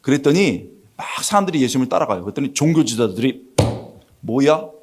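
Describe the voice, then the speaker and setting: A middle-aged man pastor giving a lively sermon in a church, acting out the characters and asking the congregation questions. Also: medium pitch, racing, slightly rough. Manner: animated storytelling, voices Bible characters, asks the congregation questions. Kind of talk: lively sermon with acted-out quotes. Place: church sanctuary.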